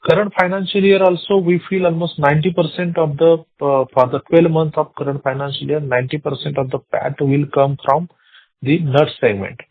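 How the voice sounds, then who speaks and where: A man with an Indian accent speaking as a company executive, answering investor questions in a halting, repetitive way over a phone conference call. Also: fairly high pitch, level tone, dry recording. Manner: halting, repeats words and phrases. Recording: narrow, tinny phone-line sound.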